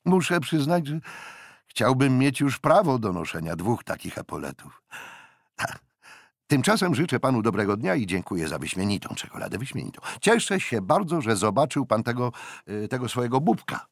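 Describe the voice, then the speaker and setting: A jovial young sea officer, voiced by a male reader, talking up a little brighter than the narration and swinging freely in pitch. Gravelly, husky texture, close and dry. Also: sing-song, moderate pace, dry recording. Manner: cheerful, bantering. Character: hearty young naval officer, jovial and frank. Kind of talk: audiobook character voice.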